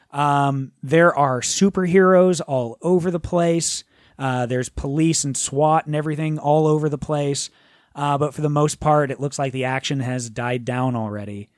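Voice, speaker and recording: A man's voice: a little high, no echo, studio quality. A man improvising casual tabletop game narration as game master, informal and given to swearing.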